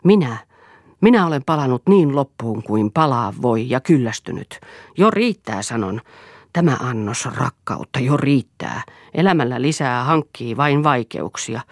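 A woman's voice: very deep voice, expressive, dry recording, clean studio sound, full character voice. A woman reading the part of a bitter, scornful middle-aged husband in a sneering, provoking tone.

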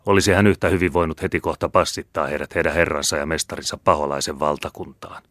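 A man reads a bearded guard who grumbles under his breath, gruff and discontented. His voice sits very low and dry, close to the mic. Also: fairly even intonation, fairly bright tone, no echo. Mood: grumbling. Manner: muttering, discontented.

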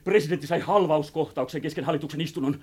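Excitable husky ally bringing news, high lively voice, radio drama. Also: male voice. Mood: urgent. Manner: urgent, breathless, eager. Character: excited male messenger ally, eager and agitated. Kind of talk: 1960s radio drama acting.

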